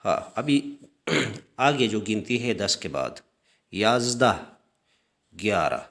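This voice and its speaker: Brief: male teacher, deep low voice, slow lesson with frequent hesitations. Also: very animated, fairly bright tone. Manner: clears his throat often. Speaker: language teacher. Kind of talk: screen-share language lesson.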